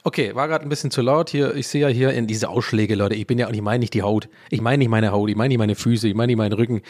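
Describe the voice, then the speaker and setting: A man's voice: mid-range voice, fairly even intonation, quick pace, darkish tone. Male solo podcaster, chatty and self-mocking, wandering off-topic, home mic. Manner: rambling, joking, self-mocking, loses his thread. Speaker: podcast host. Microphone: home podcast mic recorded in Audacity.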